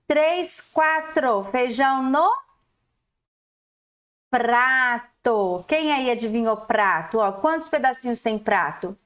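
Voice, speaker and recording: A woman teacher, giving a recorded lesson to young children and stretching out each syllable as she explains. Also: fairly high pitch. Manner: slow, drawn-out syllables, explaining. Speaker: primary school teacher.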